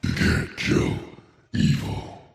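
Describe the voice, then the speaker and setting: A man voicing a menacing evil monster in a breathy whisper for a tabletop game. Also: slow, close to an everyday voice.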